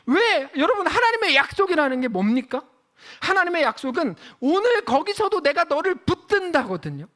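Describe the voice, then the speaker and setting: A pastor preaching an impassioned sermon at a church service, firing rhetorical questions at the congregation and swinging between loud emphatic lines and hushed low ones. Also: big pitch swings, normal speed.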